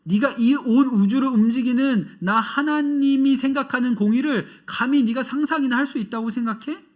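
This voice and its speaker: A man preaching acts out a stern male God rebuking a man with rapid rhetorical questions. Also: very high voice, voice pushed up.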